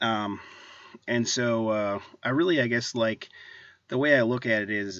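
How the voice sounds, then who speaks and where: A man with a Midwestern accent, fairly low in pitch, at a moderate pace with fairly even intonation. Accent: American Midwest. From US Midwest, Wisconsin. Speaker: tabletop gaming YouTuber. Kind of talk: Q&A vlog. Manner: hesitant, many fillers.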